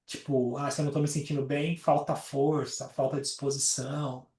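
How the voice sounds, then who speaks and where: A man's voice: medium pitch, flat delivery, moderate pace, darkish tone. A man leads an astrology study group on a video call. He talks casually and explains things with everyday examples. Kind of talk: casual teaching talk. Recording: roomy, distant from the mic.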